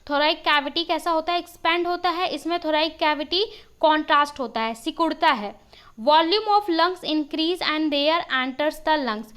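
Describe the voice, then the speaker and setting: Lady teacher, high voice, sore throat, keeps quizzing the kids as she explains. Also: a bit bright. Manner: explains in a questioning, step-by-step way; reads English lines slowly, then explains. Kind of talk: worksheet lesson for school students.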